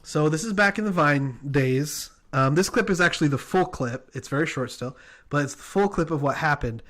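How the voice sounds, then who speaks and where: Brief: male podcast co-host with a slightly high voice, excitable and gushing. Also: moderate pace. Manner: excitable, gushing, laughs easily. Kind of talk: casual chat.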